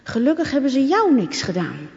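A woman's voice: high voice, sing-song, moderate pace, creaky, darkish tone, voice pushed up, full character voice. Woman doing a caring mother, soothing, storybook, echoey dull recording.

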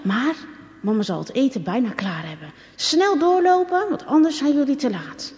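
A woman voicing a brisk schoolteacher hurrying the children along. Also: sits high, sing-song, voice pushed up. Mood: urging. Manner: hurrying, bright. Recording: echoey, dull recording.

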